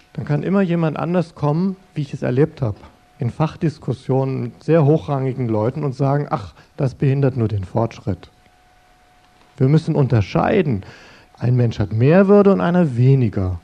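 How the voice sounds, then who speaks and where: A man's voice: medium pitch, animated, moderate pace, lo-fi sound. A middle-aged man speaking as a Christian in an earnest, conversational sermon, addressing the listeners directly. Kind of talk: sermon-style talk.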